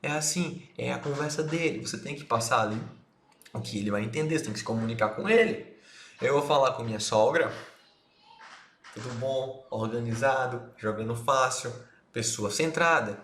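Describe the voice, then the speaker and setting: A man's voice: mid-range voice, normal speed, a bit bright. A Brazilian man in his thirties giving a casual online marketing lesson, slangy and direct, talking straight to the viewer. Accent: Brazilian Portuguese. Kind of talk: casual recorded course lesson. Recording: echoey room, faint noise.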